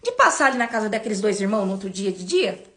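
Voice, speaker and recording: Speaking fast in a mid-range voice, a church member in her twenties with a Brazilian accent recounts her personal faith testimony. Her storytelling is animated, with repeated words.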